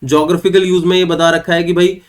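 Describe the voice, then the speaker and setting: This is an online exam-prep lesson where a young man with a somewhat higher-than-average male voice explains English grammar in a level tone. He breaks the examples down step by step, answering the questions he raises himself. When he reads the English example sentences, he takes them slowly and clearly.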